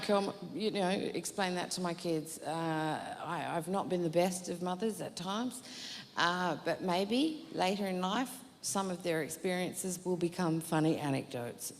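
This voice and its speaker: A woman with a fairly low-pitched voice performs stand-up on a comedy venue stage, telling rambling stories that poke fun at herself. The live recording carries long hall reverb, a little hiss or hum, and faint audience laughter.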